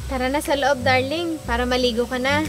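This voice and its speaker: Woman playing a sweet doting wife, high voice. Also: steady tone, brisk, close to an everyday voice. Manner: sweet and coaxing, calls him darling constantly. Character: sweet doting young wife, suddenly extra kind. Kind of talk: comedy skit acting. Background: background music.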